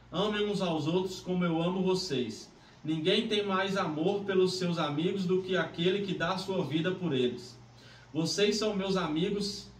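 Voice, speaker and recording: A man with a Brazilian accent speaking earnestly as he leads a devotional Bible reading. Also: sits high. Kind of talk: devotional introduction, prayer and Bible reading aloud. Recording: roomy, distant mic, faint background noise.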